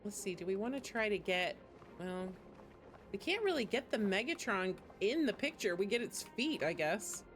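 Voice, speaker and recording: A woman's voice: medium pitch, very animated, normal speed, faint music behind. A woman game streamer with a rambling, giggly manner, chatting casually over gameplay.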